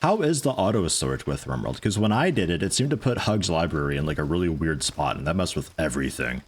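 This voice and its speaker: A man streams a video game and chats with viewers in a low, soothing voice that still swings lively in pitch. He rambles casually between gameplay and chat. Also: fast, breathy edge. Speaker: gaming livestreamer. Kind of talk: casual livestream commentary.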